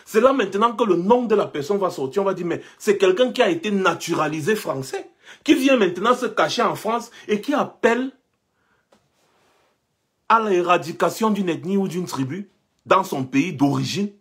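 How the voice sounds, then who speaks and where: A man's voice: sits high, expressive, moderate pace, husky. A young man from Cameroon giving an impassioned monologue, rhetorical and insistent, repeating his points. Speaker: commentator.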